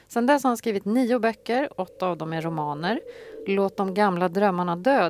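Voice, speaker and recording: A woman's voice: mid-range voice, darkish tone, a little hiss or hum. Composed woman hosting a book talk. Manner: composed, asks guiding questions. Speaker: host.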